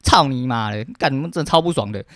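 His tone is fairly bright and his intonation lively as this mid-range-voiced man talks fast on his casual solo podcast. In his thirties, with a Taiwanese Mandarin accent and a dry, scratchy throat, he rants bluntly and swears heavily, with no echo in the audio.

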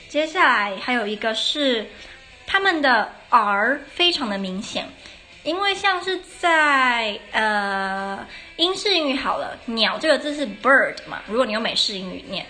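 Worn-out woman w/ teaching english pronunciation, bright slightly high voice, lots of ums, soft music under it. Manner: tired, unhurried, with many fillers and restarts. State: very tired. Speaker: podcast host teaching English phonetics. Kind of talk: casual spoken lesson.

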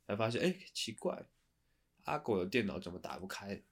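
A man's voice: lowish voice, lively intonation, moderate pace, slightly rough. A man co-hosting a podcast in casual, friendly chat. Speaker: podcast co-host.

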